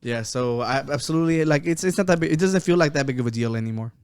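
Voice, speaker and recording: A young man co-hosting a casual podcast, with a smooth, clear voice at a middling pitch. He rambles with lots of fillers and restarts. The sound is dry and close. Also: fast, a little mellow, no room sound. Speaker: podcast co-host. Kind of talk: casual chat.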